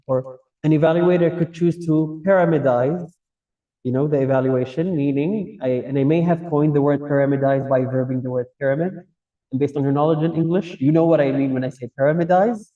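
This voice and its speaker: A man with a Kuwaiti Arabic accent and a very dark, soft-edged tone sits fairly high in pitch. He explains his points directly to listeners as a club evaluator, in semi-formal English shaped by his native Arabic. The recording is dull and picked up away from the mic. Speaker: general evaluator at a public speaking club meeting. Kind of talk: semi-formal spoken feedback to a club audience. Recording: distant mic, dull muffled sound.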